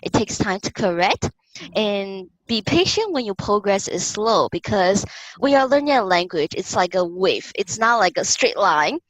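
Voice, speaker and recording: A woman's voice: mid-range voice, big pitch swings, no echo, rough recording. A woman who teaches languages online, speaking in an upbeat, enthusiastic way in a casual interview. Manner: upbeat, enthusiastic, quick to react. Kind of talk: casual video-call interview.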